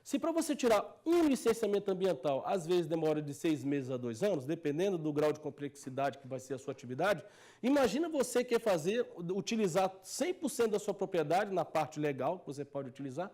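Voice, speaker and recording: A man's voice: sits high, animated, a little fast, a little mellow. A man with a Brazilian Portuguese accent, a technical advisor giving an explanatory lecture to farmers, earnest and driving his points home with repeated phrases.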